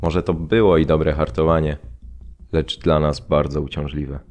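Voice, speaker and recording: A man's voice: very deep voice, level tone, a little slow, darkish tone, soft background music. A man acting a sober prisoner who recalls events in a dry, understated audio drama reading. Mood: dry recollection. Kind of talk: dramatised documentary memoir reading.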